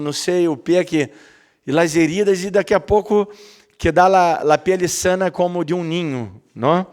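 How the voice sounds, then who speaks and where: A man delivers a sermon, sliding freely into words. His voice sits a touch high. He keeps it conversational, ironic asides and constant questioning tags aimed at the listeners. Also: darkish tone. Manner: mixes Portuguese and Spanish, ironic asides, rhetorical "não?" tags. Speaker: preacher.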